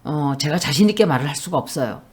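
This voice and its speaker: A woman's voice: sits low, animated, quick pace, a little mellow, breathy edge. A woman giving a tarot reading in a monologue, making blunt, emphatic predictions. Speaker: tarot reader.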